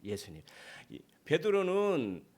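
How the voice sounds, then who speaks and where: Animated Korean man preaching. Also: fairly high pitch, slow. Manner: animated preaching with rhetorical questions. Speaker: pastor. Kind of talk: sermon. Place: church sanctuary.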